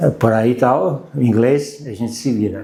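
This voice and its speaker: A man with a Japanese accent and a medium pitch speaks amid audible room echo. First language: Japanese (speaking Portuguese). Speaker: professor. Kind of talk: casual chat. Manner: halting.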